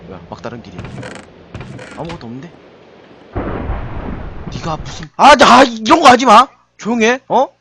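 High-voiced jumpy Korean man gaming. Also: wildly swooping pitch, moderate pace, pauses often, noisy background. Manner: jumpy and frightened, pleading and muttering curses. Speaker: game streamer. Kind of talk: scared let's-play commentary.

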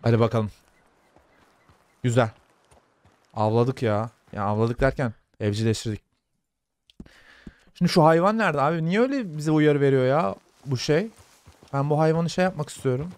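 Casting: young male gamer, casual let's-play talk, chatty and easygoing, mid-pitched voice. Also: moderate pace, pauses often, a little mellow, dry recording. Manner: chatty, talks to viewers and soothes the horse. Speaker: gaming YouTuber.

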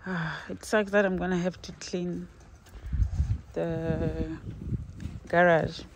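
A woman's voice: lowish voice, level tone, slow pace, noisy background. A woman vlogger casually thinking aloud while filming a walkthrough of an empty house on her phone. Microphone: handheld phone camera.

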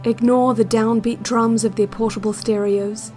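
A woman playing a calm, controlling narrator of an institute's relaxation cassette, measured and hypnotic in an audio drama. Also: a little high, faint music behind, natural voice. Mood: hypnotic, instructive. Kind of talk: scripted guided-meditation narration, audio drama.

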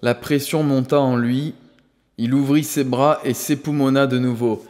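A man reading a novel aloud as an audiobook narrator, at a steady, even pace. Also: medium pitch, unhurried, long reverb tail. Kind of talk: scripted narration.

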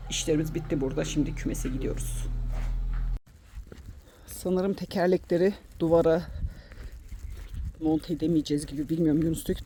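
A woman's voice: low-pitched, mellow, slight background noise. A woman vlogger chatting casually to her phone camera outdoors by a chicken coop, thinking aloud as she works.

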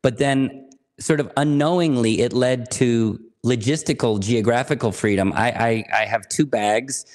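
Man, animated storyteller, podcast guest coach. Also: mid-range voice, measured pace. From Berkeley, California. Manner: animated, joking, lively storyteller with playful asides. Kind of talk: casual interview chat.

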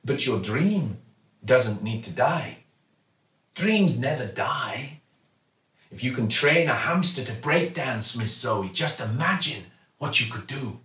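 A man's voice: medium pitch, big pitch swings, takes it slowly, pushed and bright, distant mic, full character voice. A kindly, avuncular newsagent from a storybook, acted out by a man reading aloud. He is openly sentimental, heard slightly off the mic in a roomy space. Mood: earnest. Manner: avuncular, emotional.

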